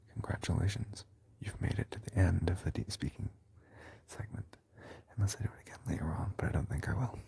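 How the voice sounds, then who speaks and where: The speaker whispers at a fairly quick pace. Long pauses come often. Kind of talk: ASMR whisper video, random facts talk to camera. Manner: soft-spoken.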